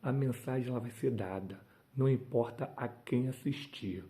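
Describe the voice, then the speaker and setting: Male preacher, devotional sermon, fervent emphatic delivery, exclamations of praise, very mellow dark timbre. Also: mid-range voice, normal speed.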